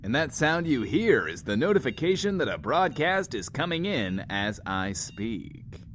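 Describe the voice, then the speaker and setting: Flamboyant, swooping apocalypse radio host. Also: male voice, mid-range voice, sing-song, unhurried, fairly bright tone, slight background noise. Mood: gleeful anticipation. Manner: grandiose, coy, third-person self-reference. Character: vain, flamboyant post-apocalyptic bunker radio host, theatrical and playful. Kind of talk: audio drama as in-world radio show.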